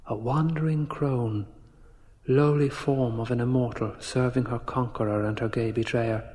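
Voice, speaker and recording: A man's voice: medium pitch, fairly even intonation, normal speed, darkish tone, lightly acted. A man playing a brooding young man's inner voice, reciting a poetic monologue in an audio drama. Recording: long cavernous reverb.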